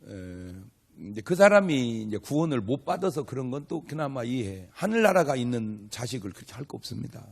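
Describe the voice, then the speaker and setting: A man's voice: mid-range voice, very animated, brisk, vocal fry, husky. An older man, a pastor, preaching a humorous revival sermon to a live congregation in a chatty, story-telling way, acting out dialogue and asking the crowd questions. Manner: asks the audience questions and banters with them.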